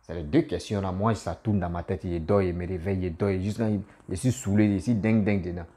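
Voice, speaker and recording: Deep-voiced man vlogging. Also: fairly quick. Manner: animated, repetitive, laughs at himself. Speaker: comedian and YouTuber. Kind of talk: casual political commentary vlog.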